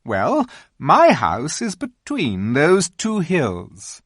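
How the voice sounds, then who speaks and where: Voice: medium pitch, huge pitch swings, extremely slow, breathy edge, dry recording, studio quality, pitched above the performer's own voice, exaggerated voice. A reader voicing a cunning, imperious witch queen who coaxes and commands in a storybook reading. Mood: coaxing. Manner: coaxing, commanding. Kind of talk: audiobook reading.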